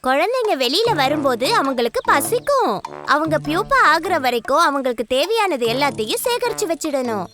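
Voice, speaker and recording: High, lively cartoon wasp. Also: female voice, fairly quick. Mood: friendly. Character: busy, wary but friendly mother-to-be mason wasp. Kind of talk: children's cartoon dub. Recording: music under the voice.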